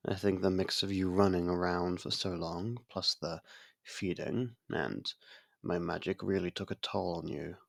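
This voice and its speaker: Playing a centuries-old vampire who is aloof yet grudgingly tends to a human, a man performs an intimate ASMR roleplay. His low, gravelly, husky voice stays steady and measured, slightly haughty and halting, conveying grudging concern.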